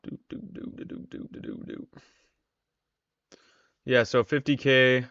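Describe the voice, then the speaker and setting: A man's voice: mid-range voice, steady tone, a little slow, fairly bright tone, no room sound, muffled recording. A man hosting a casual live stream, chatting with viewers while losing his voice. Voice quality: strained, tired voice. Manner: chatty, reads viewer comments aloud. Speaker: live-stream trader host.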